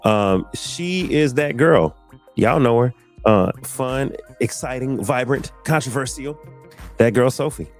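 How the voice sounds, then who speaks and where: A man's voice: mid-range voice, expressive, takes it slowly, soft background music. A man hosting a casual podcast chat in an AAVE-flavored voice, laid-back, laughing often and repeating himself. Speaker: podcast host.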